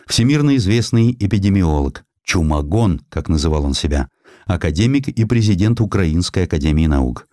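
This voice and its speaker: Deep-voiced male narrator, dry studio sound. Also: animated, normal speed, warm tone, no room sound. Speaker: audiobook narrator. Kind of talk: dramatic scripted narration of historical story.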